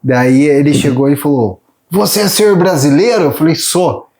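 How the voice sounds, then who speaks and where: A man's voice: fairly high pitch, expressive, normal speed, a little mellow. A man hosting a podcast, telling funny stories and laughing often between questions. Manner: jokey storyteller, laughs often. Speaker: podcast host. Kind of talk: casual interview chat.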